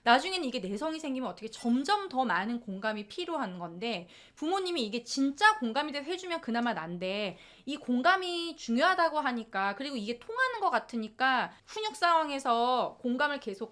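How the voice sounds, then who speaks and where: A woman's voice: high-pitched, big pitch swings, brisk, few pauses, a bit bright. Woman coaching parents, talks to camera, voice swoops a lot, acts out little quotes. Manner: explains step by step, acts out short quoted lines. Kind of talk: parenting advice talk to camera.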